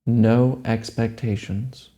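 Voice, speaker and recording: A man leading a guided meditation, giving gentle, unhurried instructions. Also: mid-range voice, fairly even intonation.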